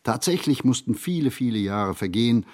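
An actor playing a reflective ageing writer in a literary radio play monologue, phrasing in a measured, deliberate way. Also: male voice, mid-range voice, expressive, darkish tone, natural voice. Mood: wry, reflective. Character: reflective ageing male writer recalling a poor childhood.

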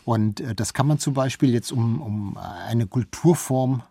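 A man's voice: medium pitch, measured pace, creaky, warm tone, husky, no room sound. A man speaking as an expert guest in a conversational interview, explaining and repeating words for emphasis.

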